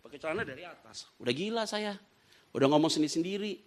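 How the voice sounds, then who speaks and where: A man's voice: on the high side, quick pace. A pastor preaches to his church. He tells stories and acts out the lines of the people in them, his voice rising and falling as he plays each part. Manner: lively storytelling preacher who acts out dialogue. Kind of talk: sermon.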